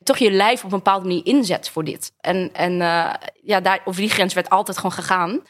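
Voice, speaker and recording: A woman in her thirties, an actress guest on a podcast, telling frank anecdotes in a lively, casual way. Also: on the low side, a little fast. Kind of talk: casual conversational storytelling.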